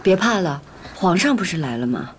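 An actress playing a dignified, defiant and protective imperial consort in a period palace drama. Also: female voice, lowish voice, big pitch swings, brisk, a little hiss or hum. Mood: soothing. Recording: loud music behind the voice.

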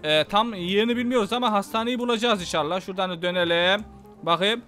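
A young man commenting excitedly on a game he is playing, talking to viewers and taunting enemies. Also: high-pitched, fast talker, soft background music. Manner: excitable, banters with enemies, addresses viewers as friends. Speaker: gaming YouTuber. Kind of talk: Let's Play commentary.

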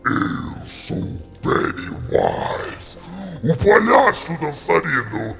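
A man with a Brazilian accent voicing a menacing, mocking clown monster in a gravelly, theatrical voice for a horror game role-play. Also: on the high side, very animated, over music, exaggerated voice. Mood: mocking, sly. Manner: drawn-out, taunting, theatrical.

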